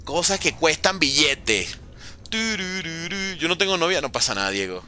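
Un hombre joven que transmite en vivo un videojuego, bromeando y respondiendo mensajes del chat en tono casual. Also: male voice, on the high side, lively intonation, normal speed, sharp tone, clear, resonant tone. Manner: joking, reads and answers chat messages. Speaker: gaming streamer. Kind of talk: casual live-stream chat.

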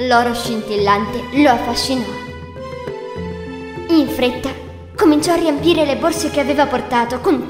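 High-voiced woman narrating a fairy tale. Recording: echoey hall reverb, music behind. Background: music.

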